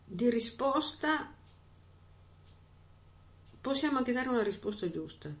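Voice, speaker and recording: A woman's voice: a little high, very animated, slow. A woman preaching a sermon in a conversational way, often checking in with her listeners with little asides.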